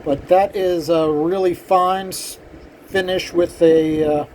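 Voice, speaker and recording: A man's voice: high-pitched, steady tone, slow pace, a little mellow, a little hiss or hum. An older man, a cylinder head porter, casually talking shop to his viewers in a rambling, self-deprecating way with many fillers. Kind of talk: casual shop talk to camera.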